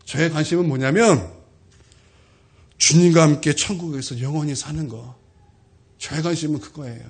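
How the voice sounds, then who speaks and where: A man's voice: a little high, normal speed, breathy edge. A middle-aged man, a pastor, preaching a sermon in a church, telling stories and calling out to the congregation. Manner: emphatic preaching with rising calls to the congregation, storytelling asides. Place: church sanctuary.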